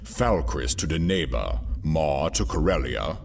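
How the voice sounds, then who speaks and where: An actor playing a calculating Imperial conspirator chairing a meeting, dry and deliberate, in an audio drama. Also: male voice, a bass voice, lively intonation, creaky, exaggerated voice. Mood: ominous, measured. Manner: deliberate, dry, theatrical pauses.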